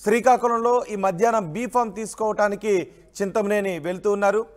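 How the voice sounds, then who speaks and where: A man's voice: high voice, fairly even intonation, fairly quick. A man anchoring a live news bulletin and putting questions to a field reporter.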